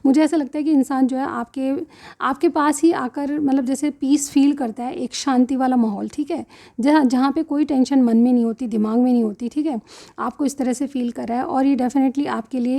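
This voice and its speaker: A young woman, giving a rambling, casual tarot reading to her viewers and often filling pauses with the same little phrase. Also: sits high, fairly even intonation, mellow. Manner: rambling, repeats 'theek hai' as filler. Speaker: tarot reader.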